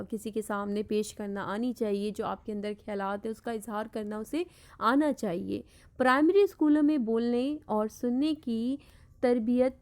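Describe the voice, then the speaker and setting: A woman's voice: on the high side, dark tone. Indian Urdu woman teaching a class. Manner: explains slowly, repeats points, mixes English words. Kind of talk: online lecture.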